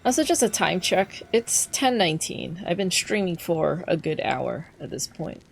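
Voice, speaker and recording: A man's voice: high voice, big pitch swings, moderate pace, vocal fry, a little hiss or hum. A young trans man streaming a game from home, chatting casually with lots of fillers and wry asides. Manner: rambling, many fillers, wry. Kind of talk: casual gameplay chat.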